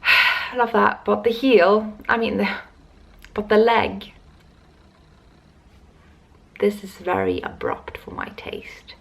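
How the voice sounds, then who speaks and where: A woman talks to her camera about her knitting projects, with a gravelly, creaky edge to her voice. She rambles and digresses, interrupting herself mid-sentence. Her pitch sits in an ordinary middle range. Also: slow pace, pauses often, a bit bright. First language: not Swedish. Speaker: knitting podcast host. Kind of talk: casual knitting vlog chat.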